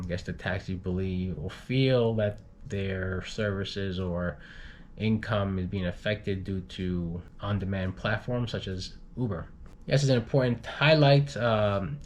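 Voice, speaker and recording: A man with a fairly low voice reads news updates informally, adding his own comments. He reads haltingly and often repeats words. The recording is noisy, with some low rumble behind him. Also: darkish tone. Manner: halting, stumbles and repeats words while reading. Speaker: news reader for an expat community channel.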